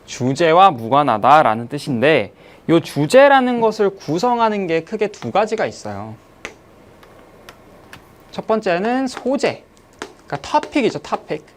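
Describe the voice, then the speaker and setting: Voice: mid-range voice, sing-song, slight background noise. An English teacher giving an online exam-review lecture, explaining step by step, asking questions and then answering them. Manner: reads English sentences slowly, then glosses them; mixes polite and casual speech to students.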